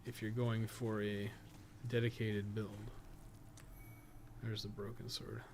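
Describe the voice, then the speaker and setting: A man's voice: on the low side, little pitch movement, slow, darkish tone, a little hiss or hum. A man giving casual, off-the-cuff video game commentary, rambling and thinking aloud with mild swearing. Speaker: podcast co-host playing a video game.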